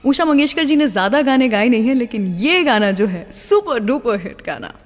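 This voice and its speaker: A woman with an Indian accent presents a music radio show in a fairly high voice. She tells stories conversationally and slips in English phrases. Her voice carries a long, hall-like reverb. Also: lively intonation, moderate pace.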